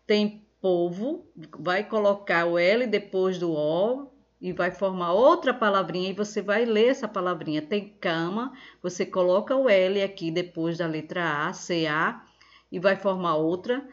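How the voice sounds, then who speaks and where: A Brazilian woman teacher explaining a lesson to young children slowly and patiently, checking in often. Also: lowish voice, highs cut off. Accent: Brazilian Portuguese. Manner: slow, patient, repeats each step with "certo?". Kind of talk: recorded remote class for young children. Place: at home, phone nearby.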